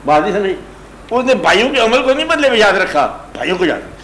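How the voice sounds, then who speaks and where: A man's voice: high voice, sing-song, fairly bright tone, a little hiss or hum. A man teaching a gathering in a conversational religious discourse, retelling a story and often asking whether his listeners have understood. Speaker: spiritual teacher addressing a gathering. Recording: echoey room with faint ambience.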